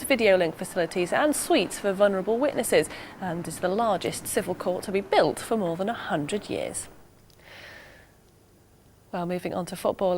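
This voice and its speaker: Regional newsreader, female, steady formal reading of the local bulletin. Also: medium pitch. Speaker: regional news presenter. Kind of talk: scripted news reading.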